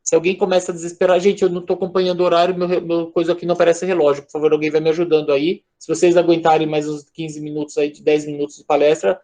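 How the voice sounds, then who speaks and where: A man with a Brazilian accent delivers an informal lecture over a video call. His delivery is conversational and animated, and he keeps addressing his listeners directly as he talks. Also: on the high side, rapid-fire, few pauses. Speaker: speaker at an online lecture.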